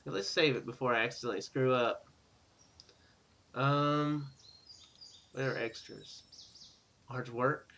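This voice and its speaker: A man's voice: medium pitch, unhurried, vocal fry, pauses often, pushed and bright, a little hiss or hum. A man hosting a gaming series in a casual style, hesitant and rambling, talking and reading story text aloud. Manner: hesitant, rambling, self-correcting. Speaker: host of a Let's Play gaming series.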